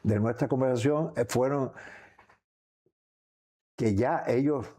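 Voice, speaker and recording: An older man with a Cuban accent recounts his memories in conversation. His voice sits at a middle pitch with a dark, mellow tone. He phrases things haltingly and tends to wander as he reflects. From Cuba. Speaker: interview guest recounting memories. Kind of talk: reflective personal testimony in conversation.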